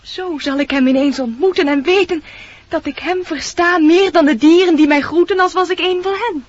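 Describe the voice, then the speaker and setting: An actress voicing an innocent, dreamy young maiden of the forest, speaking earnest lyrical verse in a radio play. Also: female voice, very high-pitched, normal speed, dry recording. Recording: dull old radio recording.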